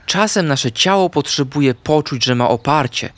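A man voicing a calm, wise female owl who gently guides the children in a storybook. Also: a little high, moderate pace. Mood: soothing.

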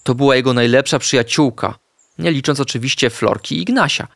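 A man narrating a children's story in a slow, gentle, expressive way. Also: mid-range voice, vocal fry, dry recording, clean studio sound.

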